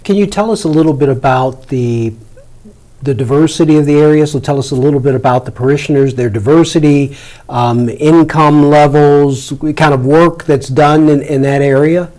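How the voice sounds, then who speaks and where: A man interviewing a guest, asking plain, steady questions. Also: a little high, normal speed, rough recording.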